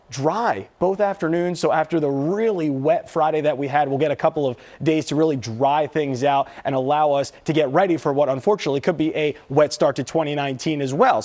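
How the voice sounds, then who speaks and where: A man's voice: a little high, darkish tone. An American man presenting a live weather forecast as a TV meteorologist, talking in a conversational, explanatory way.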